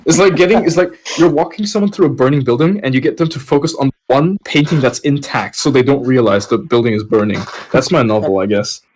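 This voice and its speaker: A man's voice: medium pitch, fairly quick, few pauses, darkish tone. A man chatting casually on a podcast, joking and self-deprecating. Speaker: podcast reader and co-host. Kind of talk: casual group chat. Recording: clearly noisy background.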